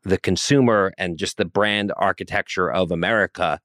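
Male podcast interviewer; very low voice, dry booth sound, long setup questions, short nods. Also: moderate pace, a bit bright, no room sound. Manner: brief affirmations, long recapping questions. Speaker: podcast host.

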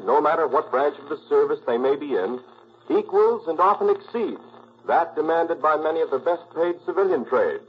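Animated 1940s radio announcer, male. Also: on the high side, husky. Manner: formal, emphatic. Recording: dull 1940s radio recording.

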